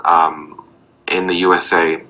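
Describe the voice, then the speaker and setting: A man's voice: low-pitched, level tone, a little slow, bright, forceful tone, dull audio. A young man from Mexico, chatting as a podcast guest over a video call, rambling and hunting for words with lots of fillers. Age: young adult.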